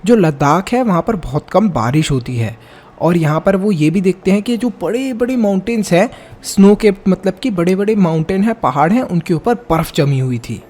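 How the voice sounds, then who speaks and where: A teacher explaining a school textbook chapter. The teacher reads English passages very slowly, then explains them in Hindi and asks the class questions along the way. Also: medium pitch, expressive, darkish tone.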